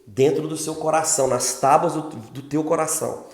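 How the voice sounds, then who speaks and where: A religious channel host gives an informal teaching talk in a conversational style, often checking in with the listener through filler tags like "né" and "ok." His voice sits on the high side, with fairly even intonation and a moderate pace, recorded with roomy echo.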